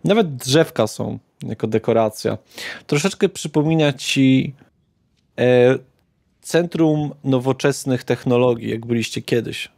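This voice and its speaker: A man's voice: medium pitch, measured pace, creaky, darkish tone. A man narrating a tabletop roleplaying game as game master, describing scenes with small hesitations.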